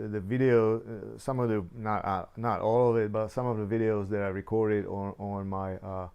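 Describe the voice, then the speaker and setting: A man tells his own life story in a relaxed, unscripted way, often pausing and starting sentences over. His voice sits low and stays flat, with a smooth, clear tone. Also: muffled recording. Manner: halting, many restarts and fillers. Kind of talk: casual spoken memoir.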